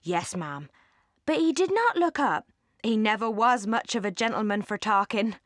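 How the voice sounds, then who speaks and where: A man's voice: sits high, expressive, moderate pace, a bit bright, no room sound, clean studio sound. A woman voicing a deferential, plain-spoken manservant, chatty with his news, in an audiobook. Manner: deferential, dialect turns of phrase.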